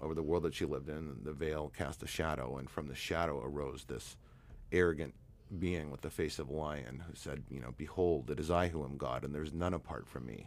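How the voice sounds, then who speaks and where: This man's voice sits very deep and low, with vocal fry and fairly even intonation. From Canada. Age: 40s. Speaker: hypnotherapist. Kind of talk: casual chat.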